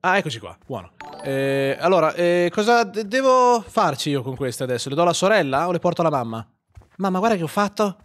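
Male streamer, sarcastic live play commentary, very animated pitch. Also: a little fast, soft background music. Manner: sarcastic, swears, mocks the game.

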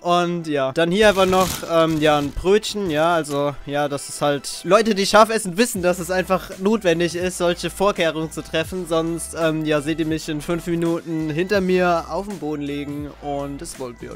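A man's voice: a little high, moderate pace, few pauses, soft background music. A young man chatting casually to his viewers as a gaming YouTuber. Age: teenager to young adult. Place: small attic bedroom. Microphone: microphone on boom arm.

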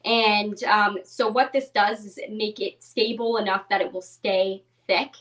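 A woman's voice: medium pitch, steady tone, measured pace, fairly bright tone. A young woman giving a live cooking demonstration from her home kitchen, chatty and bubbly with lots of "like" fillers. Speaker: cookbook author demonstrating a recipe. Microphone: video call webcam at a distance. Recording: distant mic in a kitchen.

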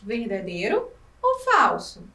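A woman teacher giving a recorded lesson to young children. She talks slowly and clearly and keeps asking the pupils questions. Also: medium pitch, huge pitch swings, recorded from a distance. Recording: echoey room, voice from off the mic.

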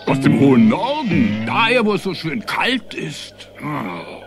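An actor playing a slow male polar bear from the far north in a children's audio drama, drawing out his words. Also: fairly high pitch, wildly swooping pitch, soft background music, heavily acted. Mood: ponderous. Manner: slow, drawn-out.

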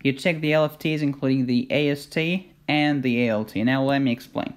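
A man's voice: medium pitch, brisk. A man from Egypt with an Egyptian accent, teaching a medical lecture as a voice-over and making his points with jokes and rhetorical questions. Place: voice-over recorded for a drawn lecture video.

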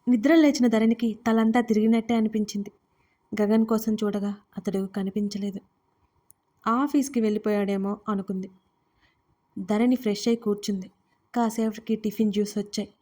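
A woman storyteller reading a romance audio story in a steady, even manner. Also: mid-range voice, normal speed, long pauses.

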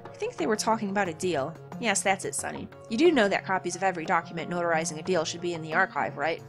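A woman voicing a grumpy old male jeweler in a video game, talking gruffly and calling the hero "sonny". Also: fairly low pitch, animated, quick pace, over music. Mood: dismissive. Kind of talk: reading game dialogue aloud.

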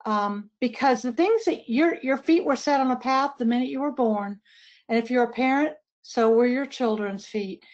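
A woman's voice: on the high side, normal speed, a little mellow. A middle-aged woman from West Virginia, raised in Ohio, giving a friendly, conversational webinar presentation with casual asides. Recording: dull lo-fi webinar audio.

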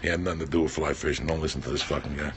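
An older man in his sixties, hosting a casual livestream in a small backstage room, talking loud and profane into a phone held at arm's length. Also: extremely low pitch, steady tone, very fast, background noise. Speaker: comedian and podcast host.

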